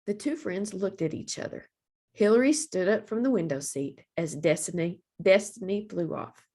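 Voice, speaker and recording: A librarian hosting storytime reads a children's picture book aloud, taking a deliberate, expressive storytelling approach in her mid-range voice.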